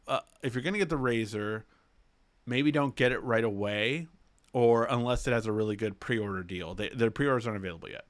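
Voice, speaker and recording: A young man runs a casual tech livestream in a clear, resonant voice at an ordinary middle pitch. He reads viewer questions out loud and answers off the cuff, with plenty of fillers and false starts. His nose sounds a little stuffy. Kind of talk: casual live Q&A chat.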